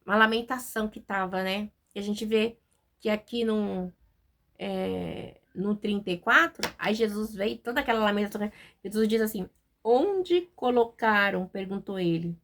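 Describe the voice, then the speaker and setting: A woman with a Brazilian Portuguese accent leads an informal devotional Bible study, talking to her listeners in a loose, chatty way. She fills her speech with fillers and tag questions, and slows down when reading verses aloud. Her pitch sits at an ordinary middle level for a woman. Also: steady tone, fairly bright tone. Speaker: Bible teacher.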